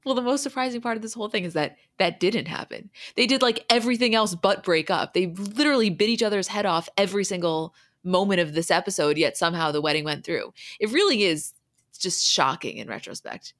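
Speaking quickly in a mid-range, fairly bright voice, a woman recaps on her podcast. Her tone stays conversational as she relays the dialogue of each scene, saying who said what.

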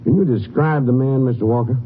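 A man's voice: mid-range voice, a little fast, natural voice. A man acting a blunt, folksy county sheriff with a rural American accent in a 1950s western radio drama. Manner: folksy, direct, drawling phrases. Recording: tinny, hissy old radio recording.

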